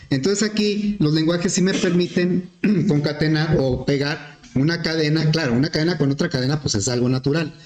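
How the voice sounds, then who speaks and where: A man teaching programming, explaining step by step with questions to the class and often clearing his throat. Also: on the high side, darkish tone. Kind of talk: screen-recorded class explanation. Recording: echoey room.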